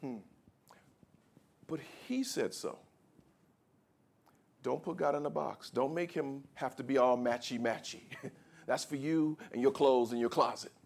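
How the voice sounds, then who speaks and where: A man preaching a sermon as pastor, in an animated style that swings from quiet teaching to shouting as he acts out scripture. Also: medium pitch, unhurried, vocal fry, pauses often.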